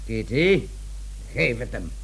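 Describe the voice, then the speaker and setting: A woman's voice: extremely low pitch, big pitch swings, slow, creaky, a little hiss or hum, full character voice. An actress playing a bossy woman in a radio play, giving orders and taunting her victim. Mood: commanding. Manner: commanding, taunting. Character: bossy, mocking woman who bullies a visitor.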